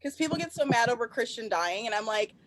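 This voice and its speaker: Female, slightly high pitch, emphatic slangy delivery, casual group conversation. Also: expressive, fast talker, a bit bright, a little hiss or hum, poor audio.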